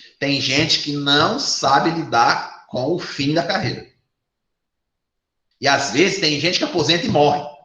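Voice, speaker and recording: A man with a Brazilian accent, bright and sharp in tone, at a moderate pace with long, frequent pauses and audible room echo. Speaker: university lecturer. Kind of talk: lecture. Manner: conversational.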